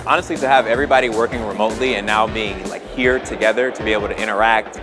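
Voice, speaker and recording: A man from Atlanta, Georgia, a conference attendee giving a relaxed, cheerful vox-pop answer. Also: on the low side, quick pace. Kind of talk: casual vox-pop interview. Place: busy conference venue. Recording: music and crowd behind.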